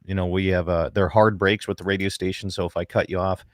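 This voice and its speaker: Brief: man, radio host, low voice, folksy storyteller, dry close sound. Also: flat delivery, quick pace, no echo. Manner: folksy joke-telling, loud upbeat on-air delivery. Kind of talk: casual chat, then radio show opening. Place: front porch of a ranch.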